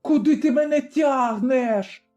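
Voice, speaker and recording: A vicious old innkeeper woman, a witch in a folk tale, shrieks her threats in a high, shrill voice, as a male narrator puts her on. Her voice is dark in tone and sits well above the teller's own. Faint music plays under the reading. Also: drawn-out words. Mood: terrified.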